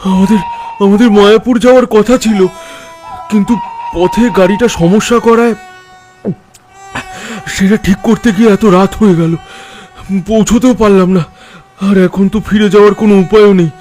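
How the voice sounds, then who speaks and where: An actor playing a polite, anxious middle-aged gentleman pleading deferentially in an audio horror drama. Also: high voice, fairly even intonation, normal speed, pauses often, soft background music, natural voice.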